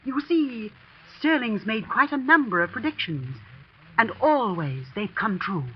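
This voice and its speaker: A grave housekeeper in a 1940s radio drama, who confides in a hushed, earnest tone. Her pitch rises and falls a lot. The old broadcast sounds muffled, with a faint hiss. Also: big pitch swings, unhurried.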